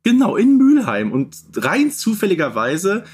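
A man's voice: high voice, wildly swooping pitch, measured pace, slightly rough. A man co-hosting a casual podcast chat, explaining things and seeking agreement with little tag questions. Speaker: podcast co-host. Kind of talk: casual chat reviewing children's audio dramas.

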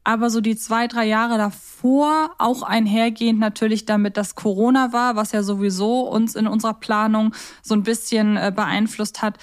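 A woman's voice: fairly high pitch, steady tone, normal speed, smooth. A woman hosting a podcast in casual, chatty, expansive conversation, telling things personally. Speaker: podcast host. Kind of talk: casual chat.

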